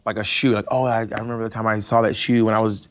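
A man's voice: lowish voice, flat delivery, quick pace, lightly acted. An American actor in his thirties playing a candid, sassy gay man in recovery, with a camp drag-queen delivery, telling his story at a support meeting. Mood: candid, wry. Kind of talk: naturalistic screen monologue, confessional storytelling. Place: indoor hall, group sitting in a circle.

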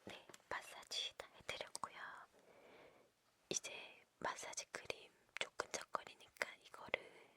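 A woman's voice: normal speed, hardly any pauses, sharp tone. A woman performs a whispered role-play as an ear cleaning attendant. Her voice stays in an airy, unvoiced whisper throughout. She speaks politely, explaining the procedure in a reassuring service manner.

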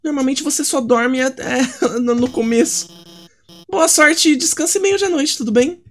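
A man's voice: extremely high pitch, measured pace, pitched above the performer's own voice. A man voicing a timid, fussy female monster teacher from a video game, stammering and hesitant. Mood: fretful. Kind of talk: video game dialogue read aloud.

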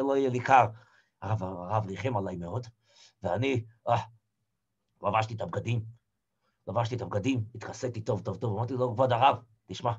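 An actor playing a shipwrecked old Hasid, telling his story in the first person and swinging from hushed murmurs to shouted cries. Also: medium pitch, husky. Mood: pleading. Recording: dull lo-fi recording.

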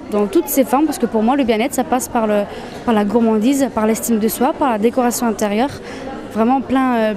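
A woman organizer answering interview questions, hesitant and full of fillers. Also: a little high. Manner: hesitant, many fillers and restarts. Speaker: event organizer. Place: busy exhibition hall. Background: crowd chatter.

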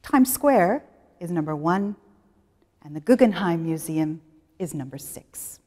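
A middle-aged woman teaches an English class from a studio. She speaks slowly, with a lively rise and fall in her voice. A long reverb trails after her words. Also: lowish voice. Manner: slow, clear and expressive, guiding students through exercises. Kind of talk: classroom lesson presentation. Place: studio in front of a plain wall.

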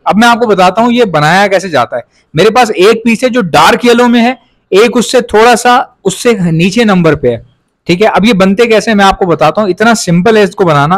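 Man, Pakistani Urdu accent, pet breeder vlogger, chatty and repetitive, high-pitched, dry sound. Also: no room sound. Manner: chatty, repeats points for emphasis. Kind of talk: casual explanatory vlog.

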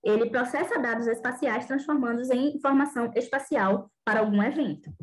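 A woman's voice: high-pitched, low-quality recording. A young woman, a graduate student, presenting her project slides over a webcam and reading steadily with small hesitations and fillers. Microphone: webcam video call.

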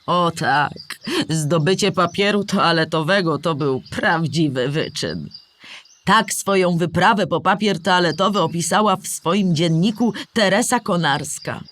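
A patient female storyteller in a children's audio play. She explains things in a clear, measured way, as scripted narration for young listeners. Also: lowish voice, a bit bright, dry recording. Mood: explanatory, patient.

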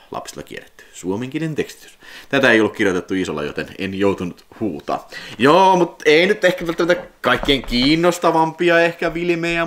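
Excitable Finnish man unboxing videotapes. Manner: chatty, excitable, bursts into high whoops and shouts. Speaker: video collector vlogger. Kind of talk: unboxing vlog, casual chat.

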